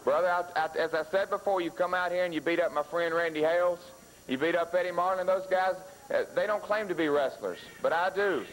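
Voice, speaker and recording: A man's voice: high voice, quick pace. A man giving a wrestling interview promo as a champion wrestler, earnest, defiant and repeating phrases for emphasis. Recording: noisy 1980s TV wrestling broadcast.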